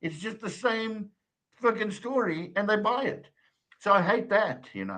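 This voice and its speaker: At a fairly slow pace, a man with a high pitch uses a raised, projected voice, an animated tone, a bright, sharp tone, and ordinary pitch variation. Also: big swings in loudness. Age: 60s. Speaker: plant extract farmer. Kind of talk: podcast interview.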